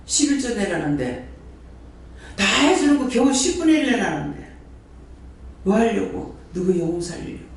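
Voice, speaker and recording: A high-voiced man preaches, his pitch leaping around as he hammers the congregation with the same rhetorical questions. The sound bounces around a very echoey hall. He stands well back from the mic, with faint noise underneath. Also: very animated, normal speed, creaky, pauses often, recorded from a distance. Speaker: prayer house director preaching. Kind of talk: sermon. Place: church hall.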